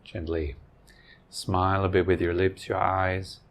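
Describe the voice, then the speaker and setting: This meditation teacher has a low voice and keeps his tone level. He leads the session softly, using brief phrases and leaving long silences between them.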